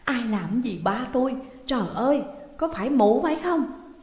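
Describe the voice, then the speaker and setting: A woman plays an anxious young woman, crying out in a raised, high voice. Long reverb fills a roomy space. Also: big pitch swings, a little fast, warm tone. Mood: alarmed. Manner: alarmed, pleading.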